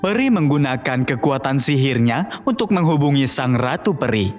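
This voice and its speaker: A man's voice: mid-range voice, big pitch swings, normal speed, faint music behind. A man narrating a scripted fairy tale for children as a storyteller.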